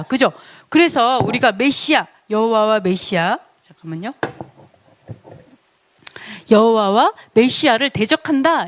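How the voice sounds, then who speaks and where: A woman giving a lively, playful Bible lesson who laughs often and keeps asking her listeners questions. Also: high voice. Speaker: Bible teacher.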